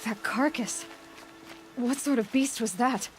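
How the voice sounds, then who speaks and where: A woman's voice: on the high side, slow pace. A young woman playing a headstrong, curious tribal huntress in a video game, with an earnest, resolute and direct delivery. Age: young adult. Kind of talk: naturalistic video game acting. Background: faint background music.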